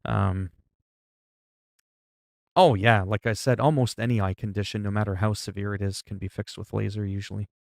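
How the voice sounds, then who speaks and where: A man's voice: fairly low pitch, steady tone, normal speed, gravelly, long pauses, no echo, clean studio sound. A man in his forties chatting casually and profanely with stream viewers, rambling and explaining things with everyday examples. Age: 40s. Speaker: livestreamer.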